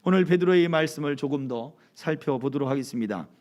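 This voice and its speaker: A man's voice: on the high side, fast, a little mellow. A male pastor delivering a Sunday sermon at a church service, preaching with animation and asking the congregation questions. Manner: leads the congregation in reading aloud together.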